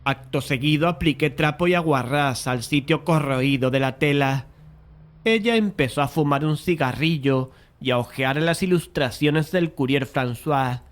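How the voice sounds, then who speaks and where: An actor as a measured painter narrating horror. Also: male voice, on the high side, natural voice. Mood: measured, uneasy. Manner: measured, literary storytelling. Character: male painter narrating, easily frustrated, polite and self-blaming. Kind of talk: dramatized audiobook horror narration.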